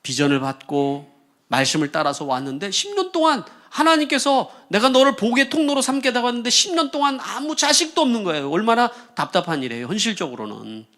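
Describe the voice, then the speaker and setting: A man's voice: high-pitched, a little fast. A male pastor preaching a sermon, asking the congregation questions and acting out the voices in the quoted passages. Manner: animated preaching, asks the congregation questions, acts out quoted speech. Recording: church service stream.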